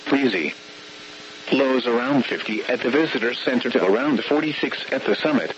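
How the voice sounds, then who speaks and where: A man's voice: medium pitch, normal speed, fairly bright tone. Hissy weather radio voice, a stilted man. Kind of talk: weather radio forecast voice, scripted bulletin reading. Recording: hissy, dull radio broadcast.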